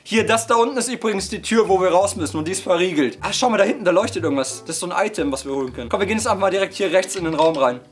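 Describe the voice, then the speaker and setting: A hoarse young man doing let's-play commentary, excitable, yelping and laughing as he talks to his viewers. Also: high-pitched, rapid-fire, few pauses. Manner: excitable, yelps and laughs, keeps addressing viewers. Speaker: gaming YouTuber. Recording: background music under voice. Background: game music.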